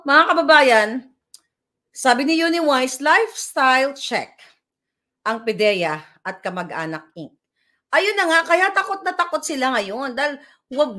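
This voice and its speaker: A woman's voice: high-pitched, sharp tone. A woman, vlogging from home in a combative, scornful political rant that mixes in English.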